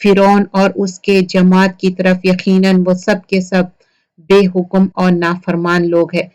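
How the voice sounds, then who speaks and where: A woman's voice: lowish voice, completely flat delivery, a little mellow, clear, resonant tone. Woman teaching scripture in a storytelling way. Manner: storytelling, asks listeners rhetorical questions. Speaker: Quran teacher for women. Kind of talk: conversational Quran commentary lecture.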